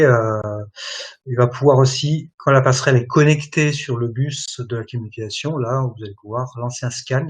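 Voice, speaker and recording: A man presenting and demoing software in a webinar, talking in a halting way and filling pauses constantly. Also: mid-range voice, lo-fi sound. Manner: hesitant, many fillers like voilà and hein. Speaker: product presenter.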